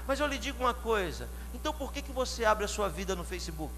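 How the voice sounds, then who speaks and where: A man from São Paulo with a São Paulo Portuguese accent, preaching a sermon, questioning the congregation and building to loud shouted climaxes. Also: high-pitched, big pitch swings, fast talker. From São Paulo, Brazil. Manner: asks the congregation direct questions. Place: church hall. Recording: long hall reverb, faint hum.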